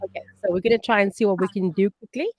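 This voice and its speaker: A woman with a South African accent hosting a live morning radio show, bubbly and quick with some fillers. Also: mid-range voice, steady tone, dry recording, studio quality. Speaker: radio host.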